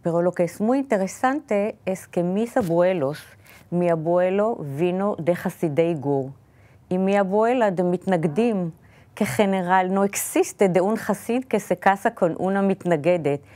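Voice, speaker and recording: A woman's voice: on the low side, dark tone. Israeli woman telling family stories. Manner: careful, slightly halting non-native Spanish. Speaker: guest. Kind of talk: interview storytelling.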